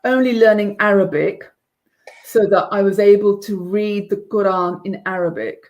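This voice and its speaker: A woman's voice: medium pitch, steady tone, darkish tone, muffled recording. Earnest woman around fifty. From England. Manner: earnest, measured, with some restarts. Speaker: interview guest. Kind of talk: personal testimony in conversation.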